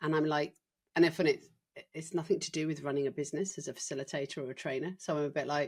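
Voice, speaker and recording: Very fast, a woman talks with an English accent and a very deep, low pitch. Her intonation stays fairly even. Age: 50s. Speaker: podcast host. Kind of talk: podcast interview.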